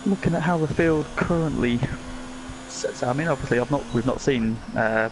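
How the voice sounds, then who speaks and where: Male guest pundit, friendly chatter, mid pitch, background noise. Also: normal speed. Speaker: guest commentator. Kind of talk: casual race-preview commentary.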